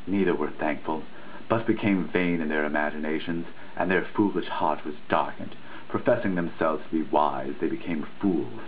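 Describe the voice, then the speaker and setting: A man with a very low voice delivers a dramatic reading of written prose. His delivery is measured and declamatory, with emphatic stresses. The recording is thin and telephone-like, with faint noise behind him. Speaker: reader, host of a reading series. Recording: muffled phone-like sound, faint noise.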